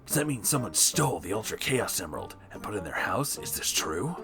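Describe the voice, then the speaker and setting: A man's voice: lowish voice, big pitch swings, fairly quick, a bit bright. Man doing a melodramatic brooding hedgehog antihero. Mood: puzzled. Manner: melodramatic, stilted delivery. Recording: music playing behind.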